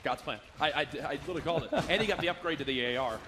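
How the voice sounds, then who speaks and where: A man casts an esports match live in a somewhat high-pitched voice. He follows the play and explains tactics for the viewers. Clear game noise and gunfire run behind his voice. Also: rapid-fire. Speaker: esports caster.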